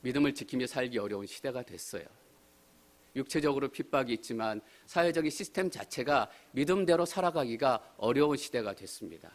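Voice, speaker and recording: A man's voice: medium pitch, expressive, a little fast. A man preaching a Sunday sermon as a pastor, earnest and building to emphatic appeals. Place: church sanctuary.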